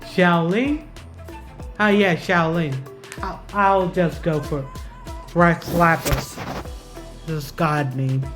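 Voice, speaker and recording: A woman gaming streamer giving casual gameplay commentary in halting, muttered reactions. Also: lowish voice. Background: game music.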